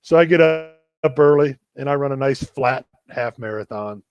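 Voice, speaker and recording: A man hosting a live video chat, telling a story in a relaxed, self-deprecating way. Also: medium pitch, normal speed, dull audio, a little hiss or hum. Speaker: running coach and show host.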